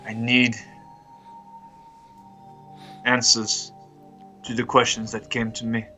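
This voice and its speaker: Guy doing a solemn meditative seeker for an rpg, formal, super slow, music behind. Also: mid-range voice, completely flat delivery, sharp tone. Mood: solemn, troubled. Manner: formal, measured.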